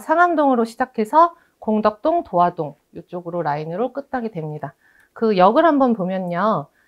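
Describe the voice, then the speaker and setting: A woman talks at a moderate pace in a fairly high voice. Her pitch swings very widely. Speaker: real estate agent. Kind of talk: presentation.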